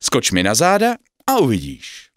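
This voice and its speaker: A man voicing a sly devil disguised as a handsome young hunter, speaking in a velvety, smooth voice. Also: medium pitch, wildly swooping pitch, dry recording, studio quality, pitched above the performer's own voice.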